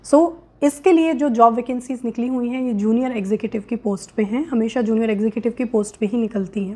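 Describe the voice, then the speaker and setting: Casting: young woman, slightly high voice, explanatory presenter who speaks straight to viewers. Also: a little mellow. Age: young adult. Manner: explanatory, direct address to viewers. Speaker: host of career guidance videos. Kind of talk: explainer to camera, mixing Hindi with English terms. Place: small indoor room with curtains, seated.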